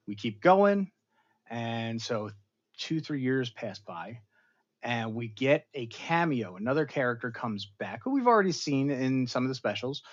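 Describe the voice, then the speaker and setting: A chatty male host tells the story of an episode to his chat, animated and prone to dramatic bursts. His voice sits mid-range, and the recording sounds somewhat dull and lo-fi. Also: mid-range voice. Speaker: show host reviewing an episode. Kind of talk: casual recap to a live chat.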